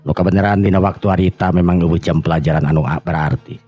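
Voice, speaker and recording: A man with a Sundanese accent and a gravelly, husky voice, telling a serial drama in an unhurried, conversational way. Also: low-pitched, fairly even intonation. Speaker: storyteller and channel host. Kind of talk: oral storytelling of a serial folk drama. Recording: muffled recording with music underneath.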